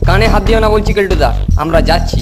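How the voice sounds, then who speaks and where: An actor voicing an eager, food-loving schoolboy in a cartoon, expressive and easily flustered. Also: medium pitch, fast talker, close to an everyday voice. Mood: indignant, flustered. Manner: animated, expressive, boyish. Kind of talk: cartoon voice acting. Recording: loud music bed behind voice.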